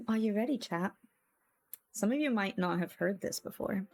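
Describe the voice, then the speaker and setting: A woman's voice: mid-range voice, lively intonation, measured pace, creaky, darkish tone. A woman streaming a video game and chatting casually with her viewers in a playful, giggly way. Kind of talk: casual live-stream chat. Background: faint game music.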